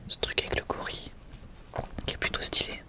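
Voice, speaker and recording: An ASMR creator whispering breathily and close to the mic in a casual, rambling, enthusiastic way, often correcting themselves. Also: fairly quick.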